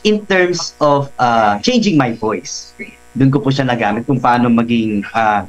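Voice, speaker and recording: A man's voice: mid-range voice, animated, a little slow, rough recording. A man, a voice artist guest in a casual radio interview, talking animatedly and sometimes slipping into voices.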